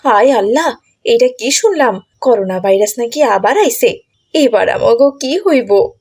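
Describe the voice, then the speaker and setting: Gullible cartoon auntie, played by a woman: Bangladeshi accent, anxious, earnest, colloquial, a touch high-pitched. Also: lively intonation, unhurried, a little mellow, slightly rough, heavily acted. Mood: dismayed.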